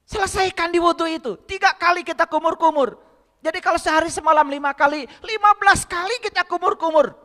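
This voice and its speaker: High bright-voiced man preaching in a hall. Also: fairly quick. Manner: asks the audience rhetorical questions and addresses them directly. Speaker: religious lecturer. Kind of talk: spiritual lecture to a congregation.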